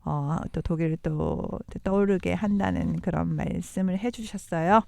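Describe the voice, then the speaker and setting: A woman's voice: on the low side, rapid-fire, creaky, dark tone, no room sound. A South Korean woman with a Korean accent hosting a radio interview and interpreting for listeners, a native Korean speaker. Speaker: radio host.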